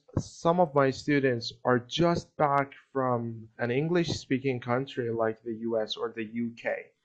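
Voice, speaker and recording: With a Persian accent, a man speaks at a very slow pace in a medium pitch. He barely pauses at all. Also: ordinary pitch variation. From Iran. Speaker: English teacher. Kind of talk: recorded message.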